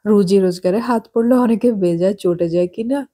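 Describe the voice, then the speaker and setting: A woman's voice: mid-range voice, moderate pace, mellow, close to an everyday voice. A woman voicing a polite but wry young priest in an audiobook, speaking in a dry, mock-humble way. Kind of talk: audiobook character voice.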